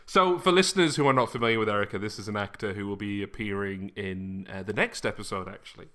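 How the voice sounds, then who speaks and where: A man's voice: on the low side, fast talker, fairly bright tone. A man chatting casually as a podcast host, bantering and poking fun at himself. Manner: bantering, self-deprecating. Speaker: podcast host and audio drama creator. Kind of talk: casual chat.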